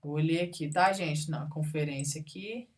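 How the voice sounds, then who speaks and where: A woman's voice: low voice, moderate pace. A woman teaching a grammar lesson, patiently going through examples one word at a time and checking in with her students. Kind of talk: recorded classroom grammar lesson.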